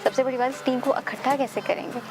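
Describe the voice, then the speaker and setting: A woman's voice: high voice, fairly even intonation, very fast, rough recording. A woman with a South Asian accent giving an interview, switching between Urdu and English. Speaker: group member. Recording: music behind the voice.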